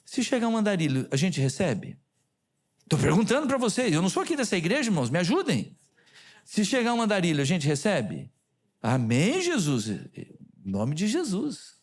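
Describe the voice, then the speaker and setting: Lively Brazilian pastor preaching. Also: male voice, sits high, normal speed. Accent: Brazilian Portuguese. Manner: animated, quizzes the congregation with questions. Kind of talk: sermon with retold conversations. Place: church sanctuary.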